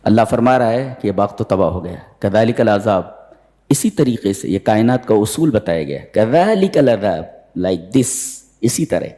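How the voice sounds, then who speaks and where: Heard with hall reverb, a preacher explains the Quran through a vividly performed story. Characters get high-pitched voices from him, while the Arabic verses are chanted slowly.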